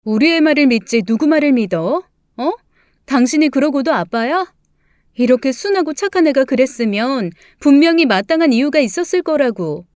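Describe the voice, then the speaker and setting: A woman's voice: high voice, expressive, normal speed, a little mellow, dry recording, studio quality. A woman voicing an indulgent young mother who defends her child with indignant retorts, in a read-aloud story with acted dialogue.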